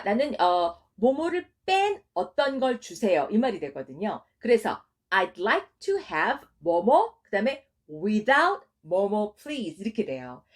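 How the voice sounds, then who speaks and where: A woman teaching English phrases, speaking them slowly and repeating each one for the listener. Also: medium pitch.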